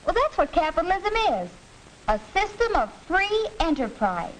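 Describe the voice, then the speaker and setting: A young woman playing a confident high school student lecturing her classmates, in 1940s educational film acting, on a hissy old film soundtrack. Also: big pitch swings, moderate pace, low-quality recording.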